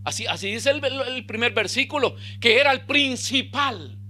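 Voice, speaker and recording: A male pastor, preaching a sermon with bursts of emphasis and quiet low asides. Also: lively intonation, normal speed.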